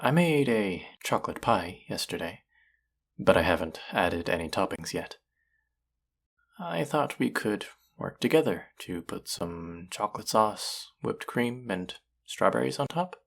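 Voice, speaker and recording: A man's voice: fairly low pitch, sing-song, a little slow, creaky, exaggerated voice. A man acting a cocky, teasing male chef in an intimate romantic audio roleplay, speaking to his rival and love interest. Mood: tender, playful.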